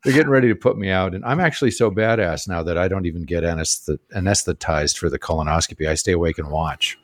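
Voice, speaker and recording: A man's voice: sits low, fast. A man co-hosting a casual comedy podcast, telling joking anecdotes. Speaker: podcast co-host.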